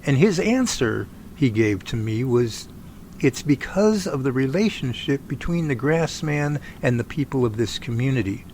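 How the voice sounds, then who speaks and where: A man acting as an earnest, folksy research team leader in an audio drama. He speaks haltingly at a medium pitch, with noticeable background noise on the homemade recording. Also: animated, darkish tone, close to an everyday voice. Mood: explanatory, friendly. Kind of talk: amateur audio drama dialogue.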